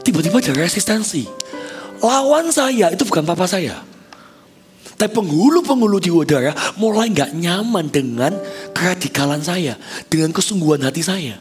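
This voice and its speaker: Male pastor in his thirties; relaxed conversational preaching that slips into acted-out dialogue, voice on the higher side. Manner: conversational, addresses congregation, acts out quoted dialogue. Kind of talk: storytelling sermon. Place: church stage.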